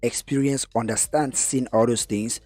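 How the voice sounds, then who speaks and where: A man from Cameroon talking about his business in a podcast conversation, getting animated when he stresses a point. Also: mid-range voice, normal speed, faint music behind. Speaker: guest investor.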